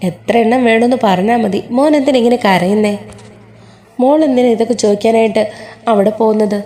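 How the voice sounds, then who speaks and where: A woman voicing a caring grandmother who coaxes and comforts gently. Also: fairly high pitch, a little fast, close to an everyday voice. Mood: soothing. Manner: gentle, coaxing.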